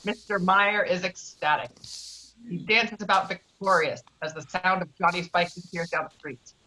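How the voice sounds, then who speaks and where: A woman's voice: fairly low pitch, normal speed, bright, forceful tone, slight background noise, poor audio. A woman reading screenplay stage directions as the narrator of a table read.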